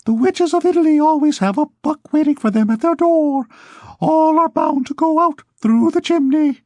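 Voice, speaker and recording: A man voicing a gypsy chief who talks to his listeners in a shrill falsetto in an audiobook. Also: moderate pace, a little mellow, dry recording. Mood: mysterious.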